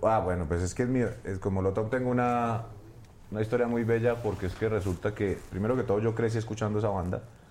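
Audible room echo surrounds a man speaking at a very fast pace, his fairly low pitch held to a fairly even intonation. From Colombia, Bogotá. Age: 30s. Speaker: actor. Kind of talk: casual chat.

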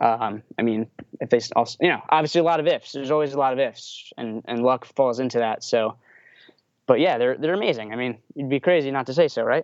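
At a very fast pace, a man talks with ordinary pitch variation, the sound dry and close with no echo. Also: medium pitch for a man. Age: 20s. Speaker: basketball writer. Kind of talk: casual chat. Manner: halting.

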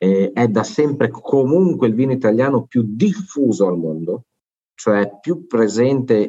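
A man talks with very wide pitch swings. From Italy, Bologna (Emilia-Romagna). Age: 40s. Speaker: wine consortium director. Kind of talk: interview.

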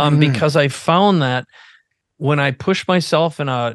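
Over a quiet background, a man with an American accent and a fairly high pitch speaks at a very slow pace in a dry, close sound with no echo. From US Midwest, Minnesota. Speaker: podcast co-host and entrepreneur. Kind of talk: casual conversation.

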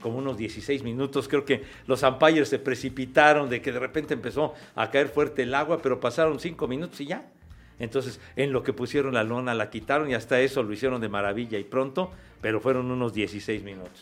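On a very clean recording with a silent background, a man with a Mexican accent talks at a fairly quick pace. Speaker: sports podcast co-host and baseball radio announcer. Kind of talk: casual chat.

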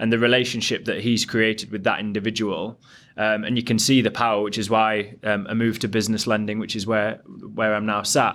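With a Yorkshire accent and flat, monotone intonation, the speaker moves at a fairly quick pace on a very clean recording with a silent background. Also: man, fairly low pitch for a man. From Yorkshire, northern England. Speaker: business lending bank director. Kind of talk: panel discussion. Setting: office recording at bank headquarters.

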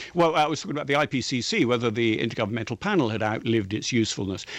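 A man with an English accent, medium in pitch, talking at a very fast pace with lively intonation. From England. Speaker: science journalist. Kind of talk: interview.

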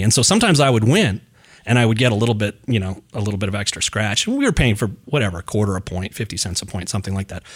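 A man with an American accent speaks at a very fast pace, his pitch fairly low with ordinary variation and his voice somewhat breathy. The recording is very clean, with a silent background. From Nevada, Reno. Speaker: tech company CEO. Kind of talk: interview. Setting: studio.

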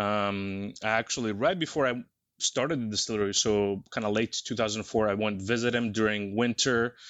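A man's fairly low voice in a Greek accent, with fairly even intonation and very even loudness. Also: moderate pace. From Greece. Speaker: distillery and winery owner. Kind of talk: interview.

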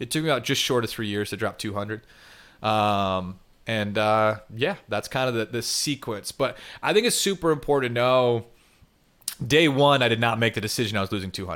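On a very clean recording with a silent background, a man with an unremarkable speaking voice talks at a moderate pace and medium pitch with ordinary pitch variation. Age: 30s. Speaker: weight loss success story. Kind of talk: casual chat.

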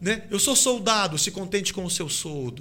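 With lively intonation, a man speaks at a moderate pace in a high voice. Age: 50s. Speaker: pastor and rock musician. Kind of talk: casual chat.

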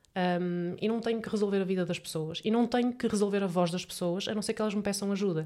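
A woman at medium pitch talks very fast, with hardly any pauses. Her tone is dark and mellow, and her intonation fairly even. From Portugal, Porto. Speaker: vocal coach. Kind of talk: casual interview conversation. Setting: studio.

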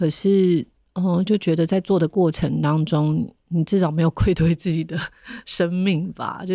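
Over a silent background on a very clean recording, a woman with a dark, mellow tone and fairly low pitch speaks at a moderate pace with fairly even intonation. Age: 40s. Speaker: journalist and editor-in-chief. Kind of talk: interview.

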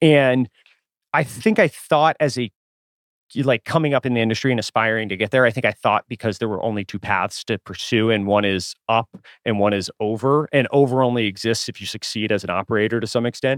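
In a very clean recording with a silent background and a dry, close sound with no echo, a man with an ordinary speaking voice and medium pitch talks fairly quickly with ordinary pitch variation. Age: 30s. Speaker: venture capital investor. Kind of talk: casual interview. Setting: studio.

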